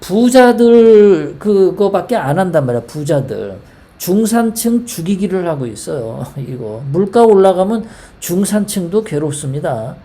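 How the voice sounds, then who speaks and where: Korean lady ranting about politics, lowish mellow voice, fired up, rambling, keeps asking questions back. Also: big pitch swings, a little slow. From South Korea. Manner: heated, rambling, full of rhetorical questions. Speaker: political commentary host. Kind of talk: casual political monologue.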